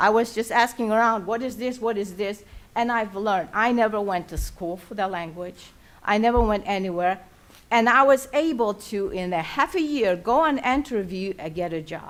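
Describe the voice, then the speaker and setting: A woman with a non-native accent and a fairly high pitch, showing ordinary pitch variation. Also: moderate pace. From outside the US, came at 21. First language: not English. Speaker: public commenter at school board meeting. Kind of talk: public comment. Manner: halting.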